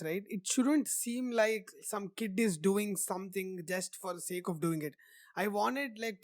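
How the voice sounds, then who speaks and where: A man's voice: high-pitched, no echo. A young man hosting a podcast, answering questions in a casual, rambling way with lots of "like" fillers. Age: young adult. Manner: rambling, heavy use of "like" fillers. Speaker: podcast host. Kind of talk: casual conversational interview answers.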